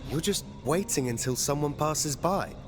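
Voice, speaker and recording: An actor playing a confident, loyal young warrior in a video game. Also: male voice, on the high side, lively intonation, moderate pace, music in the background, lightly acted. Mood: cocky. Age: young adult.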